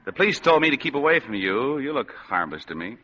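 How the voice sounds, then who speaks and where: A man's voice: medium pitch, big pitch swings, brisk, sharp tone. A man playing a hard-boiled private detective who narrates with dry, sardonic wisecracks in a vintage radio drama. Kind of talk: 1940s radio acting. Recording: muffled old radio broadcast with music.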